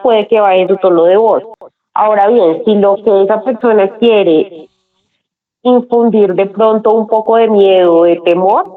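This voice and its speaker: A woman student giving thoughtful, measured answers to her teacher's questions. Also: mid-range voice. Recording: tinny phone-like line.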